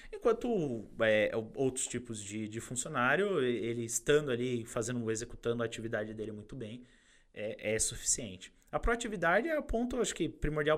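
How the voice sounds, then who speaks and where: Recorded very cleanly against a silent background, a man with an unremarkable speaking voice talks at medium pitch and a moderate pace. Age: 20s. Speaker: engineer and company director. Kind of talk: podcast interview.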